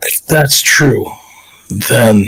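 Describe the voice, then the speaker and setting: A raspy, put-on character voice from a man at a very slow pace. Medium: actual play. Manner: measured, inquisitive.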